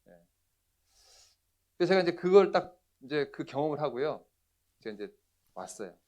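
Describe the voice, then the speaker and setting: A man's voice: a little high, big pitch swings, normal speed, a little mellow, lo-fi sound. A middle-aged man preaching a sermon as a pastor, telling a personal story with acted-out dialogue and frequent affirming asides.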